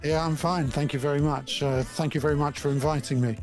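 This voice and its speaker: An older man, a music industry lawyer, talking in a modest, measured way with many fillers as a podcast guest. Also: a little high, fairly even intonation. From born in Scotland, grew up in London. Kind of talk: casual interview chat.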